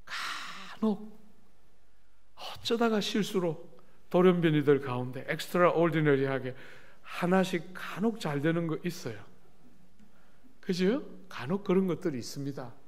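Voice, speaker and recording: A middle-aged man preaching at a church revival service, telling lively stories and often turning to the congregation with questions. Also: fairly high pitch, a little slow, long pauses. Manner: animated storytelling with asides to the congregation. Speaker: pastor. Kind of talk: revival sermon. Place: church sanctuary.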